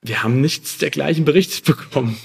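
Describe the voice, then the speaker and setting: A man's voice: on the high side, quick pace, creaky. A man in his thirties chatting casually as a podcast guest, recounting personal memories. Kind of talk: casual chat, telling childhood anecdotes.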